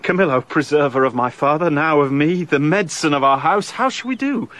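An ardent young prince. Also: male voice, a little high, animated, brisk, fairly bright tone. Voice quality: ardent, impassioned. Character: young male prince, ardent and anxious lover. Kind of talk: classic radio drama acting.

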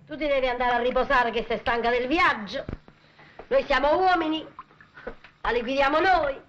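A woman's voice: sits high, normal speed, lo-fi sound, very noisy, lightly acted. An actress playing an angry middle-aged woman who sharply scolds two men in an old film comedy. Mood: scolding. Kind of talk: 1950s film comedy acting.

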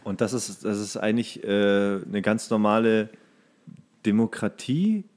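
A man's voice: on the low side, animated, a little slow, a little mellow. A man in a casual podcast chat, co-hosting and asking question after question in an inquisitive way. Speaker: podcast co-host.

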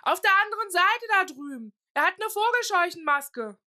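A brash young woman in a horror audio drama. She sounds edgy and shaken, speaking bluntly in a very high voice. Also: sing-song, normal speed, bright, forceful tone, heavily acted. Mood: urgent.

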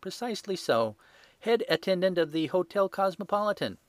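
A man voicing a calm, urbane male detective who speaks in a measured, bland, courteous way. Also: high-pitched, no room sound, pitched above the performer's own voice.

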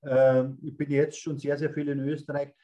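An older man with a Bavarian accent, a guest on a video-call interview, telling lively stories about his plans. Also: on the high side, moderate pace, lo-fi sound. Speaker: guest, speaker agency founder. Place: indoors, in front of a red stage curtain backdrop.

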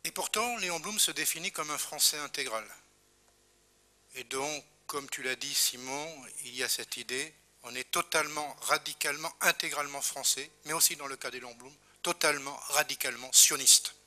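A man's voice: a little high, moderate pace, bright, forceful tone. A man giving an emphatic historical talk at a conference who rises on key words. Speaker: conference speaker.

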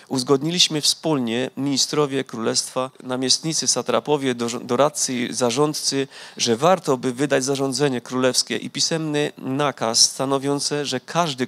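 A man's voice: mid-range voice, fairly bright tone, lightly acted. A man reading aloud the lines of scheming male royal officials petitioning a king, in a formal, raised ceremonial tone.

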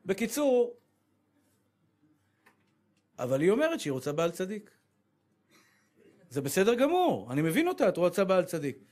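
Brief: male rabbi, high-pitched, lively joking preacher who mimics the people in his stories. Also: pauses often. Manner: animated storytelling, acts out voices of women and his wife. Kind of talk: humorous sermon.

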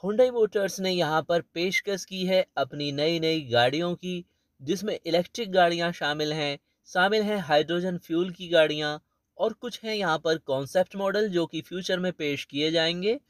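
Higher-voiced man narrating a car expo. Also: normal speed, no echo. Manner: reeling off feature lists. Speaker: auto channel host. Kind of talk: walkaround car show narration. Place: large indoor expo hall.

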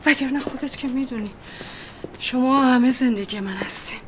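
An actress playing an earnest young woman in a period TV drama, pleading softly and urgently. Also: high voice, a little hiss or hum, close to an everyday voice. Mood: worried. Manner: earnest, pleading, soft-spoken at times.

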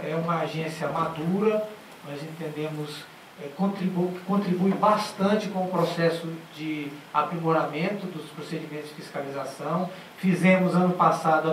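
A man's voice: fairly high pitch, fairly bright tone. Man speaking in an echoey hall. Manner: halting, with restarts and filler sounds. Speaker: panel speaker. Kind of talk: formal conference speech. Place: large conference auditorium. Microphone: handheld mic, seated at a panel table. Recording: echoey hall from far off, faint noise.

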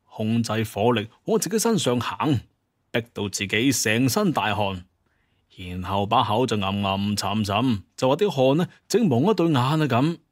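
A man narrates a scripted tale in colloquial Cantonese. His mid-pitched voice has a storyteller's expressive delivery. The recording is close and dry. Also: unhurried, no echo. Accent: Hong Kong or Guangdong Cantonese.

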